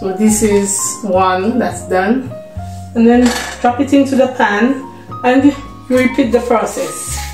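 A woman speaks at a fairly slow pace. Music is clearly heard behind her. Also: ordinary pitch variation. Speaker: home cook vlogger. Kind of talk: cooking tutorial. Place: kitchen.

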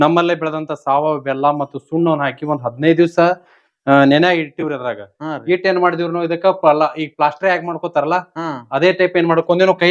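A man talks with a fairly high pitch. His intonation stays fairly even against a quiet background. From north Karnataka, Vijayapura district (Almel). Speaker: organic farmer. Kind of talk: interview, farm tour.

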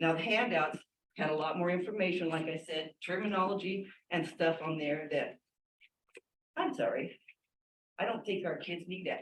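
Here a woman talks at a moderate pace. She leaves long pauses often. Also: fairly low pitch for a woman. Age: 60s. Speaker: member of the public commenting at a school board meeting. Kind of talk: public comment. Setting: school board meeting. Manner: animated.

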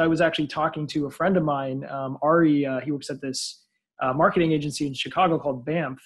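Talking at a very fast pace, a man sounds somewhat breathy, with a fairly high pitch and fairly even intonation over a quiet background. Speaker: podcast host. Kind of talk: podcast interview. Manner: frequent filler words. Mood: friendly, curious. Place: home room. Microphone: webcam.

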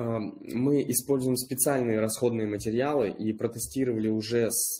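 The tone is dark and mellow, with fairly even intonation at a moderate pace. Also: man. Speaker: project manager. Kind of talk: webinar presentation. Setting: online webinar.

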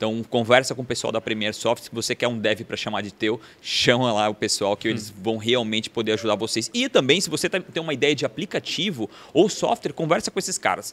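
A man's fairly quick speech with hardly any pauses and lively intonation. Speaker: podcast creator, angel investor. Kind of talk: casual interview. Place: studio. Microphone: studio mic.

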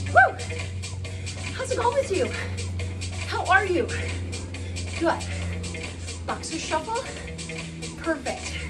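Over loud music in the background, a woman talks at a fairly slow pace with long, frequent pauses. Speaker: fitness instructor. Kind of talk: workout instruction.

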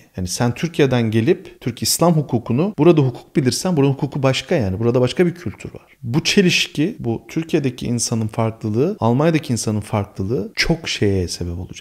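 A man speaks at a fairly quick pace and medium pitch, making very wide pitch swings. He leaves hardly any pauses, over a quiet background. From Turkey. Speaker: vlogger. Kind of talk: casual monologue vlog. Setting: home recording to camera. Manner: conversational, animated. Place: home room. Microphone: studio mic.

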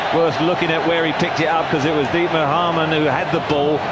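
A man talks at a fairly quick pace with a fairly high pitch and a monotone, flat intonation. Noticeable background noise sits behind him. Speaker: football co-commentator and analyst. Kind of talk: live sports commentary. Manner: calmer, measured analysis between action; conversational, thoughtful, hesitant phrasing.

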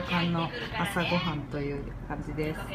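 A woman speaks very slowly in a Kansai accent. Loud background noise fills the recording. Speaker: comedian. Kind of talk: casual vlog chat. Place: home room. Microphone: phone near.

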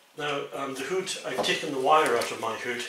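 There is noticeable background noise and audible room echo. A man speaks with ordinary pitch variation. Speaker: gear reviewer. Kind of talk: show-and-tell tutorial. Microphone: camera far.

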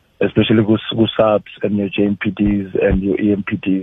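Over a quiet background, a man with a Zulu accent speaks at a fairly slow pace. The sound is dry, with no echo. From South Africa, Tembisa, Gauteng. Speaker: anti-drug crime show presenter, former mining engineer. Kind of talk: radio interview. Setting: radio studio. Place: studio.

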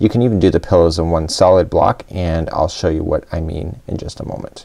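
Over a quiet background, a man with a very deep, low pitch and a dark, mellow tone speaks at a fairly quick pace with fairly even intonation. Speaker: crochet instructor. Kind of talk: tutorial. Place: studio.

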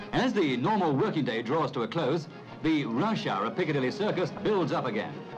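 A man with a British accent, fairly high-pitched, pitch leaping very widely, loudness very even, fairly quick delivery, music playing behind. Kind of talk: vintage newsreel narration. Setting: period film soundtrack, studio narration.

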